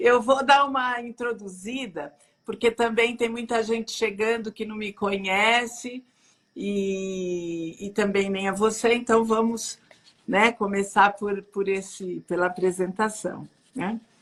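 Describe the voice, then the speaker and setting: A woman talks at a very slow pace in a fairly high pitch. Her intonation stays fairly even, while her loudness swings widely. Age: 60s. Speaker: psychologist and cancer survivor hosting a live. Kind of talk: live-stream conversation. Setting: online live stream. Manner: halting, with many repetitions.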